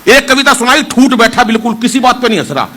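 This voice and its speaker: High, bright-voiced comic man. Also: sing-song, fast talker. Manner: addresses the audience directly, coaxing applause. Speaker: stand-up poet at a poetry gathering. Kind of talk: live comic storytelling to an audience. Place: live event venue with an audience.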